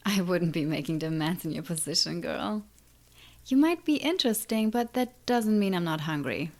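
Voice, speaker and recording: A woman's voice: fairly low pitch, animated, moderate pace, a little mellow. A woman playing an ancient, menacing siren in an audio drama, taunting and condescending with a theatrical drawl. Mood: threatening. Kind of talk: audio drama villain acting.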